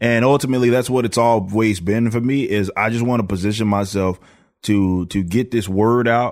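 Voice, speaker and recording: Here a man speaks at a fairly low pitch and a fairly quick pace, with fairly even intonation and a normal speaking voice. The recording is very clean, the background silent. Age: 30s. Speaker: metal band singer and political commentator. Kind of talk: casual chat.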